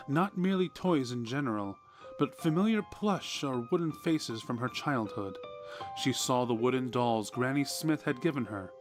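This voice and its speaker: Male narrator, mid-pitched, unhurried deliberate horror storytelling, dramatic pauses, clear music underneath. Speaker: storyteller reading horror fan fiction. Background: background music.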